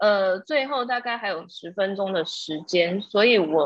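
A woman at a medium pitch and a very slow pace, with ordinary pitch variation. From Taiwan, Kaohsiung. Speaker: seafood e-commerce business owner, lecturer. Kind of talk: online lecture.

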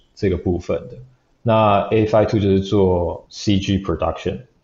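A man is speaking. His voice is fairly low and somewhat breathy. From Taiwan. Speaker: visual effects artist. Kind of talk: casual interview.

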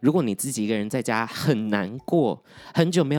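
A man at medium pitch with an animated tone, lively intonation and a moderate pace, on a very clean recording with a silent background. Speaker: podcast host and songwriter. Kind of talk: casual solo podcast.

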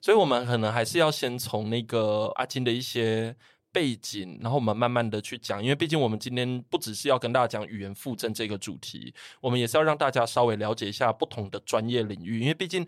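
Here a man speaks at a very fast pace in a medium pitch, with ordinary pitch variation. The recording is very clean and the background silent. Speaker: podcast host and teacher. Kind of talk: casual interview chat.

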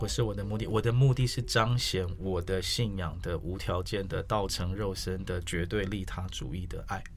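Music plays behind a man whose fairly low voice, with ordinary pitch variation, carries audible room echo as he talks at a moderate pace with hardly any pauses. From Taiwan. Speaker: political party leader and translation scholar. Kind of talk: interview.

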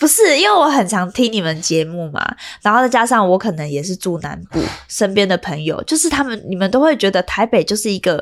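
This woman talks at a fairly quick pace in a medium pitch. Her pitch swings very widely. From southern Taiwan. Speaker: podcast guest. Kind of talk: casual chat.

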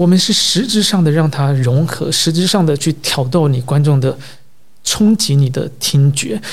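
The speaker has a Beijing accent and ordinary pitch variation. The pace is moderate. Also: man, fairly high pitch for a man. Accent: Beijing-style Mandarin. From Taiwan, Yilan. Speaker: Peking opera performer. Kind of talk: interview.

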